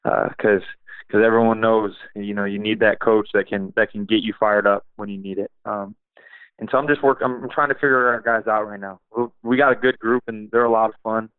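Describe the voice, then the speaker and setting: A young man, an assistant wrestling coach, talking in a relaxed, rambling way with many fillers, in a podcast interview over a phone line. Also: fairly low pitch, fairly quick, clear, resonant tone, no room sound. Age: young adult.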